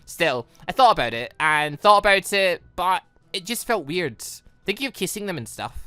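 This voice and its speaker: A woman's voice: fairly low pitch, very animated, normal speed, fairly bright tone, no room sound, faint music behind. A woman giving casual, chatty let's-play commentary on a visual novel, rambling through giggly asides. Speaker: gaming video host.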